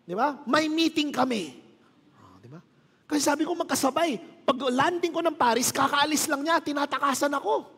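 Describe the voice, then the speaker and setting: In a large hall, a pastor in his thirties delivers a relaxed, story-filled sermon with joking asides, switching between Tagalog and English in a Filipino accent. His very high voice is a bit bright with a breathy edge, worn and strained from too little sleep.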